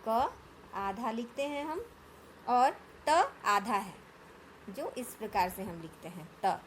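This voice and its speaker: A woman's voice: fairly high pitch, a little hiss or hum. A woman teacher explaining a grammar lesson patiently, often asking the class questions and checking that they follow.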